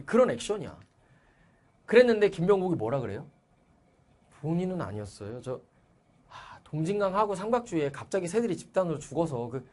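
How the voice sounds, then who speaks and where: A man's voice: on the high side, a little mellow. A male teacher giving an exam-prep lecture, explaining a literary passage and checking in with his students. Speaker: Korean-language teacher.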